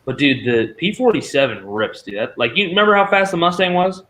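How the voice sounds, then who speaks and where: A man hosting a casual chat, excitable and saying dude a lot, swearing now and then. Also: on the high side, fairly quick. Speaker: channel host.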